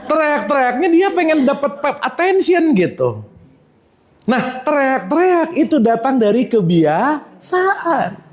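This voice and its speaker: Lively man teaching. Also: very high voice, takes it slowly. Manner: lively, keeps quizzing the audience. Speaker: religious teacher. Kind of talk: informal spiritual lecture to a live audience.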